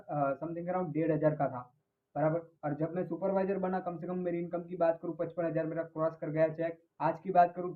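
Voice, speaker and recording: Man, 21, from Ahmedabad, flat tone, repetitive phrasing, phone-quality sound. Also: a little high. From Ahmedabad, Gujarat, India. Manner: repeats stock phrases. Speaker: network marketing member. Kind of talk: testimonial self-introduction. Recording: tinny phone-like audio.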